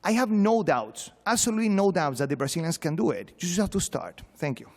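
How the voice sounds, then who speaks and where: Male Venezuelan professor, Spanish-accented English, slightly high pitch, emphatic and wry conference delivery, reverberant hall. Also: big pitch swings, brisk, a little hiss or hum. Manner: emphatic, repeats words, rhetorical questions. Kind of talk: informal conference speech, humorous and exhortatory. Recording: echoey hall, long reverb.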